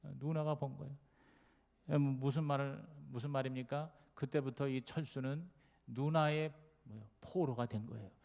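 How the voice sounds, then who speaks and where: A male pastor delivers a sermon in a mid-pitched voice, mixing storytelling with emphatic rhetorical questions. His words roll out through the long reverb of a large church sanctuary. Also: steady tone, normal speed, gravelly, darkish tone.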